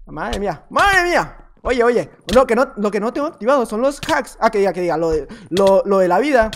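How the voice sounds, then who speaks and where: A man narrates his own gaming session in a loose, chatty way. He jokes around, trails off now and then and taunts his rivals. His tone stays relaxed and unscripted. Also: high voice, fairly quick, slight background noise. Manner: playful, rambling, teasing opponents. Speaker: gaming video creator. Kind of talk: casual gameplay commentary.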